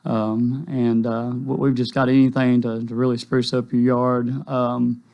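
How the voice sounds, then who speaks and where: A polite man talks about his rental business on local radio, keeping his pitch very even. His voice is smooth, but the line is dull and lo-fi. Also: measured pace. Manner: polite, eager, says "yes, sir". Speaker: rental store guest. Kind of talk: radio interview.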